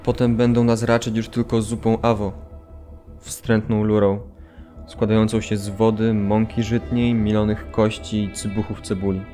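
A man's voice: fairly low pitch, little pitch movement, moderate pace, dark tone, faint music behind, close to an everyday voice. An actor playing a grim, subdued prisoner narrating his memories in a radio drama. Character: grim male camp prisoner recalling hunger.

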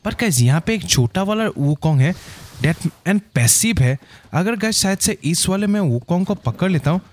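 Excitable male gameplay commentator. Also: high-pitched, normal speed. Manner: excitable, keeps saying "guys". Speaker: gaming channel host.

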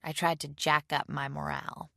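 A woman reading a novel aloud as a measured, subdued first-person audiobook narration. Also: low-pitched, level tone, gravelly, pushed and bright, no echo, clean studio sound. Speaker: audiobook reader.

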